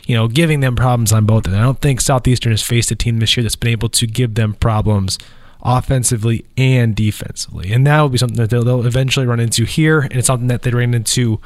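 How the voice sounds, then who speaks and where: A man's voice: medium pitch, fairly even intonation, fast, dry recording. A man hosting a casual sports podcast, talking loosely with a nasal, allergy-stuffed voice and many fillers, in an office conference room. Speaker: podcast host.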